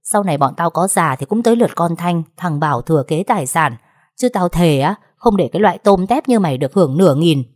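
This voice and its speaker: A woman voicing a spiteful middle-aged stepmother in an audiobook story, speaking in a shrill, abusive, scornful way. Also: expressive, brisk, a little mellow, dry recording, studio quality. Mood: furious. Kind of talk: audiobook narration.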